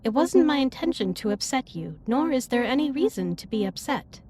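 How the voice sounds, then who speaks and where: A woman playing a caring, earnest alien starship captain in a sci-fi roleplay audio drama, speaking in formal, precise, measured sentences. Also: high voice, sing-song, darkish tone, a little hiss or hum. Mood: reassuring, earnest. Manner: formal, precise, stilted wording with measured delivery. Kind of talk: scripted roleplay audio drama, intimate one-sided dialogue.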